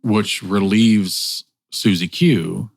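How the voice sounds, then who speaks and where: A man with a very low voice talks thoughtfully, often pausing and restarting as he looks for the right words. The sound is dry and close, with no room echo. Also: steady tone, creaky. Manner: thoughtful, halting, searching for words. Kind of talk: conversational podcast chat.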